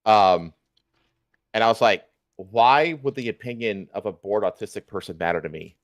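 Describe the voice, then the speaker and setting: A man's voice: lowish voice, expressive, moderate pace, no room sound, muffled recording. A man hosting a livestream, ranting casually with emphatic, repetitive, profane talk. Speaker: livestream host.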